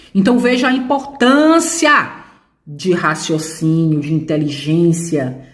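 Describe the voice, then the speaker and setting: A woman's voice with very wide pitch swings, at a very slow pace, in audible room echo. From Brazil. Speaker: evangelical YouTuber. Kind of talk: religious teaching monologue.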